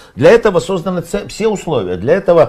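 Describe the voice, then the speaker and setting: The voice has a dark, mellow tone and ordinary pitch variation. Its pace is fairly quick. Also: man. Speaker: political commentator. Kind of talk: TV talk show discussion.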